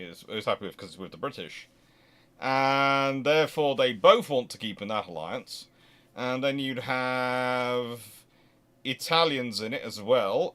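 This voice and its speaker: Man thinking aloud, halting and emphatic. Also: lowish voice, fairly bright tone. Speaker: host of naval history channel. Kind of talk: live question-and-answer talk, speculative history commentary.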